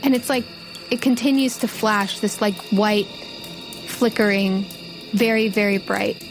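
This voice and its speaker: A woman hosting a tabletop game podcast as game master, expressive and enthusiastic in her delivery. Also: mid-range voice, unhurried, poor audio. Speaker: game master and show host. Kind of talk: announcements and storytelling narration for a tabletop game podcast. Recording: music behind the voice.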